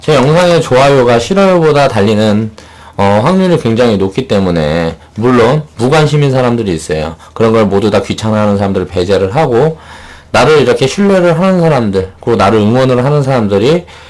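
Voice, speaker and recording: This man talks at a fairly quick pace in a medium pitch. His pitch swings very widely while his loudness stays very even. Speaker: stock investing YouTuber. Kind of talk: unscripted monologue. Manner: improvised, off the cuff.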